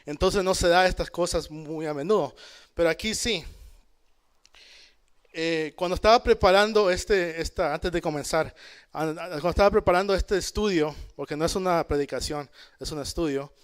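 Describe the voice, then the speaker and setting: With a fairly high, clear, resonant voice at normal speed, a Salvadoran preacher leads a conversational Bible study for a congregation at a church in Canada, calling out amen and checking in with the people listening.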